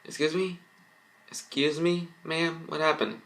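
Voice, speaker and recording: A man voicing a kind-hearted young female fashion designer, emotional and halting, in an amateur story reading. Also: fairly high pitch, steady tone, gravelly, a bit bright, pitched above the performer's own voice. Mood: alarmed. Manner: emotional, halting, repeats words.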